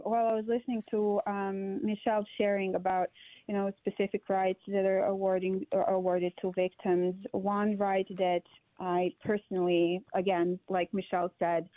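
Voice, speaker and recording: Mulher sérvia sincera, áudio de chamada. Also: female voice, mid-range voice, dry recording. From Serbia. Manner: earnest, reflective, with hesitations. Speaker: survivor advocate guest. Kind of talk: remote interview. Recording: dry tinny call audio.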